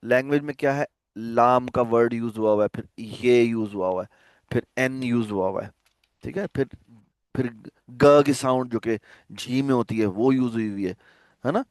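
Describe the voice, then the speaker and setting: In a casual online lecture, a man teaches programming on a video call, chatting easily and frequently asking if his students follow along. He has a medium-pitched voice and normal pace, recorded in studio quality with no room sound.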